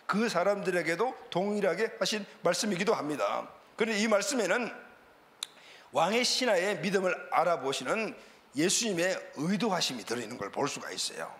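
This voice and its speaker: High-pitched, lively male preacher. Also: fairly quick. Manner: animated preaching with call-and-response amens. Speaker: pastor. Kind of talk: sermon. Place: church sanctuary. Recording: reverberant church hall.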